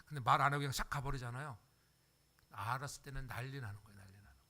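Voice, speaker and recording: A man's voice: mid-range voice, very fast, sharp tone. An older man preaching a sermon as pastor, acting out everyday voices and checking in with the congregation. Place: church sanctuary.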